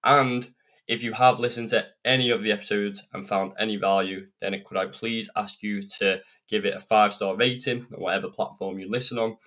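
A young man in his twenties hosting a solo self-improvement podcast, chatting earnestly and a little rambling, sounding slightly croaky and sniffly from a cold, speaking into a podcast microphone. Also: on the low side, steady tone, fairly quick, a bit bright. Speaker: podcast host.

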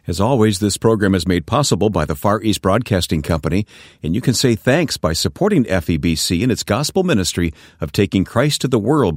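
A man hosting a Christian radio interview program, reading an introduction and then asking questions in a measured broadcaster's manner. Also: low-pitched, no room sound, studio quality.

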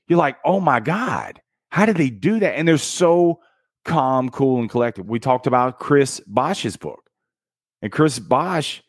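A man giving casual, energetic motivational commentary on a book, punching out single words and counting beats for effect, with slang like "dude". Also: medium pitch, no room sound, studio quality. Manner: energetic and emphatic, with dramatic counting and punchy one-word beats. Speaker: book summary host.

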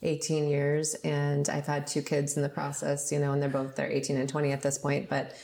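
A woman's voice: sits low, completely flat delivery, fairly quick, creaky, darkish tone. A woman in her forties, a realtor interviewing a guest in a casual, chatty way, often affirming with short replies. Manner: chatty, affirming with frequent mm-hmms. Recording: echoey room.

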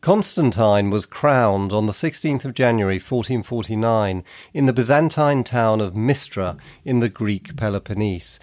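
A man with a croaky voice from a cold, hosting a podcast and reading history aloud in a measured, earnest way. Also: medium pitch, no echo, studio quality. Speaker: podcast host.

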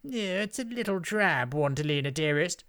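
Haughty witch acted by a man, raised pitch, imperious, pompous drawl, storybook villainess. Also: animated, moderate pace, a bit bright, clear, resonant tone. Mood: haughty, languid. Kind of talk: children's storybook character voice.

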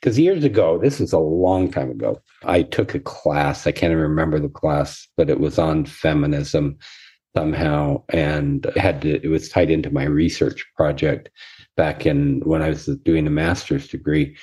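A man speaking as a therapist guest in a casual podcast chat, congested from a cold, reflective and measured in tone. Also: mellow. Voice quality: deep, husky.

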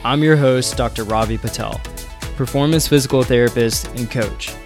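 A man's voice: mid-range voice, normal speed. A man reading a polished, upbeat, welcoming scripted podcast intro. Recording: over a music bed.

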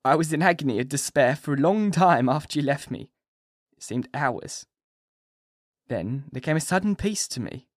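A man's voice: on the high side, lively intonation, moderate pace, no room sound, studio quality. A man voicing a dying male asylum patient who talks in urgent, strained pleading.

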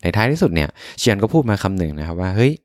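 A soft-spoken man hosting a podcast, telling personal stories as unhurried, reflective bedtime pillow talk. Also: low-pitched, big pitch swings, no room sound, clean studio sound. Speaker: podcast host.

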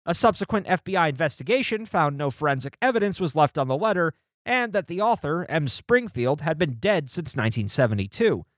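A man's voice: on the high side, fairly quick, few pauses, no echo, clean studio sound. A man co-hosting a podcast, chatting casually about a book and reading long passages aloud. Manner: lively, animated delivery with restarts. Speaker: podcast co-host.

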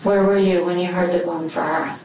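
A woman police detective questioning a suspect calmly, repeating his answers back to probe further. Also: on the low side, fairly quick, slight background noise. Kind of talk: interrogation questioning. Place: interrogation room. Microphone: far room camera. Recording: echoey room from a distant camera.

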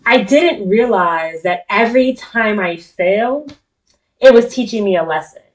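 A woman's voice: mid-range voice, lively intonation, measured pace, poor audio. African American woman hosting a candid talk. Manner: informal, candid, conversational and slangy. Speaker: talk show host. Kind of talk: casual personal monologue to an audience.

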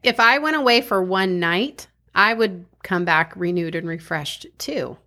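A woman's voice: fairly low pitch, animated, a little slow, bright, forceful tone. An American woman co-hosting a podcast, chatting casually and jokingly as she tells a story. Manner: joking, bantering. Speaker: podcast co-host. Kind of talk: casual true-crime storytelling chat.

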